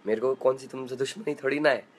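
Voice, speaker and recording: A man's voice: medium pitch, fairly even intonation, fast, slight background noise. A young man hosting a casual live stream from his room at home, chatting playfully and greeting viewers by name as he reads their comments aloud.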